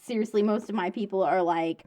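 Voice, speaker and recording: A woman's voice: mid-range voice, fairly even intonation, brisk, mellow. A woman guest on a casual podcast, chatty and giggly, with lots of "like" fillers.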